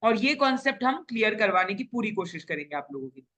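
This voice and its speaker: A man's voice: high-pitched, sing-song, fast, pushed and bright. A young man, a top-ranked exam guest, explaining his study methods earnestly and step by step, mixing in English. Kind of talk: casual interview chat.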